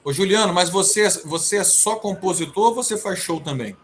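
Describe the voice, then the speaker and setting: A man's voice: high voice, a little fast. A man with a Brazilian accent hosting a casual interview in an informal, bantering way. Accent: Brazilian Portuguese. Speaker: interview host. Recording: faint background noise.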